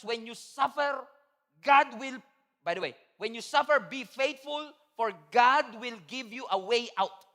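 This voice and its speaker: High, bright-voiced pastor preaching in a hall. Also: male voice. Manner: swings from loud emphatic preaching to soft confiding tones. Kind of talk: sermon. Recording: long hall reverb.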